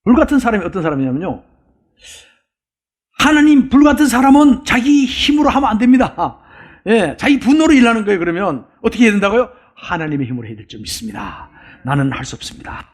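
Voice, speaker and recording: A male pastor preaching a sermon with emphasis, repeating phrases and asking the congregation questions. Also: high voice.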